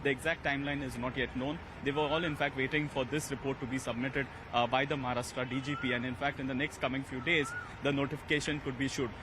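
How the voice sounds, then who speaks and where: A male field reporter delivers a live report at a quick pace in a mid-range voice. City street and traffic noise is clearly audible around him. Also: mid-range voice, fairly even intonation. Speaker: news reporter.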